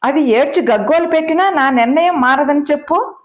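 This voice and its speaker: A stern rural father issues blunt orders, unbending in every word, read out by a woman narrator. The voice sits high. The recording has a roomy echo. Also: a little fast. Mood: shouting. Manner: blunt and commanding.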